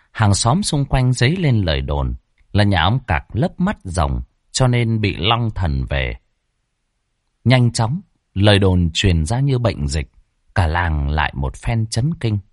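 A man narrating a ghost story in a lively, expressive, dramatic way. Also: lowish voice, unhurried, no room sound, clean studio sound.

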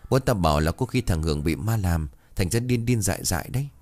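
A man's voice: deep voice, expressive, fast, a little mellow, no room sound. A man voicing a worried schoolgirl friend sharing gossip.

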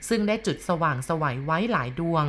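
A woman narrating a ghost story in a polite, steady way, often softening her sentences. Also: sits low, fairly quick, slight background noise.

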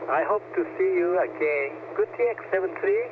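A man with a Japanese accent speaks in slow, formal radio phrasing, his voice squeezed through a narrow shortwave radio band. Steady static hisses under every word, and his voice sits a little higher than most men's. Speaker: radio host demonstrating a ham radio call. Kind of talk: scripted ham radio exchange in English.

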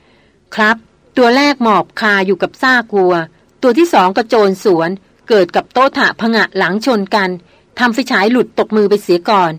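A woman voicing a seasoned male jungle hunter who reports in a plain, unhurried way. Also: mid-range voice, no echo, lightly acted. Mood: calm.

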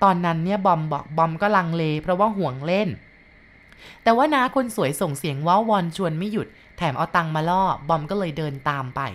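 A woman's voice: sits low, a little hiss or hum. A woman narrating a ghost story in a polite, conversational storytelling manner. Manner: polite and conversational, with soft sentence endings.

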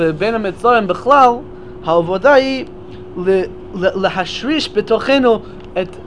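A man's voice: high voice, slight background noise. A man giving a Torah lecture at a memorial gathering, explaining step by step and often restarting his words.

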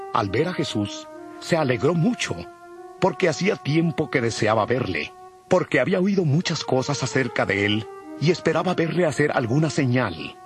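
Man narrating bible audio, solemn n formal, mid voice, bit of music behind. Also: mid-range voice. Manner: formal, measured.

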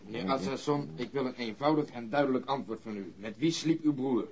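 A man playing a blunt, insistent police detective in a radio drama, with a husky voice and direct, probing manner. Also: medium pitch, a little fast, a little mellow, a little hiss or hum, natural voice.

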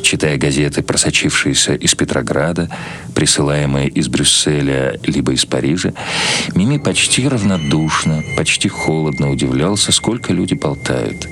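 Very deep-voiced male literary narrator. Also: lively intonation, moderate pace, a bit bright, faint music behind. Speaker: narrator, reader.

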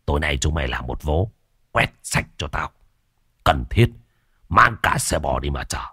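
A man voicing a lazy, bossy gang boss in a low, hushed commanding drawl. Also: big pitch swings, unhurried, slightly rough, dry recording, studio quality, full character voice.

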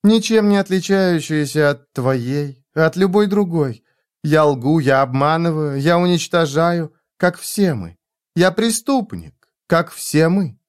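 A man's voice: on the high side, animated, slow, smooth. A man voicing a blind, proud, vengeful young woman in a dramatic audiobook reading, with an intense, defiant delivery.

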